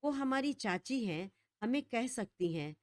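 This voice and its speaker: A woman voicing a sweet, gentle young bride who speaks softly and affectionately. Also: on the high side, expressive, measured pace, dry recording, studio quality.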